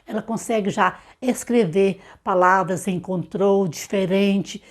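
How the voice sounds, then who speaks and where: A woman, a literacy teacher explaining the steps to parents, asking herself rhetorical questions and slowly sounding out syllables and example words. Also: mid-range voice, fairly even intonation. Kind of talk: instructional talk to parents.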